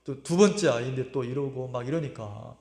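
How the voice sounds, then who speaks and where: A middle-aged man preaching a sermon, telling a personal story in an earnest, emotional way, pausing and repeating his words. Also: medium pitch, gravelly, a little mellow. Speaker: pastor. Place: church sanctuary. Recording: echoey church hall with long reverb.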